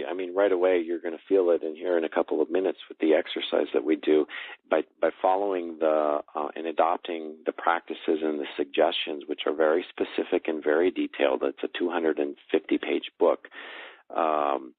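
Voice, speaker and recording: A man with an extremely low voice speaks as a spiritual coach, earnest and explanatory. He goes in short, measured phrases. The audio is dry and heavily band-limited, like a phone. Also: dry recording. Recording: muffled phone-like call audio.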